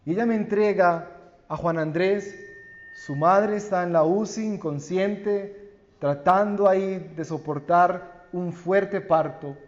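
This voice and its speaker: A man with a Colombian Spanish accent, a pastor delivering a sermon in slow, earnest preaching that swells and then drops to hushed endings. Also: sits high. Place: church sanctuary. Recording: dull church recording with long reverb.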